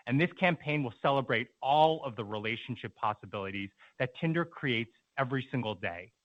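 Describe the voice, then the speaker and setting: A man speaking as a company executive, giving a fluent, polished and deliberate answer on an earnings call. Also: medium pitch, no echo. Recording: dull, band-limited conference call audio.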